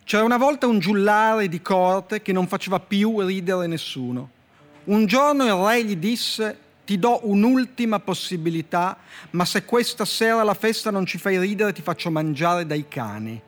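A man with a Turin accent, a poet guest on a radio show, reading his short comic fables in a dry, deadpan way with slow pauses before the punchlines. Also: high voice. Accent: Italian, from Turin. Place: radio studio. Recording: music bed playing faintly behind.

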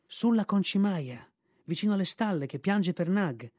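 Flattering featherbrained songbird, eager and high, voiced by a man. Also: normal speed, dry recording, clean studio sound. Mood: fawning. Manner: fawning, eager. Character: silly little male songbird, flattering and scatterbrained.

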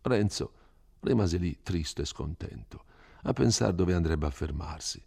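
A man reading a classic novel aloud as a measured, expressive storyteller. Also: sits low, creaky, slightly rough. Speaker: reader.

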